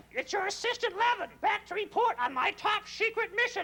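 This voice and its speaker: A put-on character voice is pitched extremely high. It moves at a fairly quick pace. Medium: audio drama.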